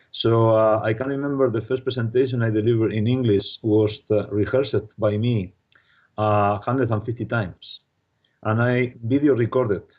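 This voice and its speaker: A man's medium-pitched voice with a Spanish accent, monotone and flat, at a moderate pace. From Spain. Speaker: project management consultant. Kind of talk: interview. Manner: halting, many fillers.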